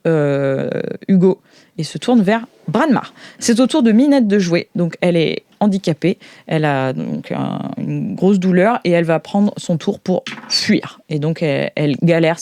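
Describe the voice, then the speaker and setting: A woman with a French accent improvising narration as game master of a tabletop role-playing game, thinking aloud in halting phrases. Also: on the low side, dark tone. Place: studio.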